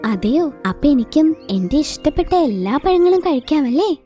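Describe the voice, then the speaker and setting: A woman's voice: sits high, very animated, normal speed, warm tone, faint music behind. A woman voicing a naive, fretful young girl bird in a children's cartoon, childlike and earnest. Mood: curious.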